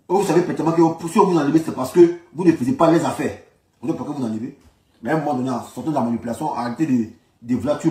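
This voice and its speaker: Ivorian guy going off on politics, kinda high voice, repeats himself to hammer points, roomy echo. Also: a little mellow. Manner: insistent, repeats phrases for emphasis, rhetorical questions. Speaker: political commentator. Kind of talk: informal spoken political monologue in reply to a speech. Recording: roomy echo, distant microphone.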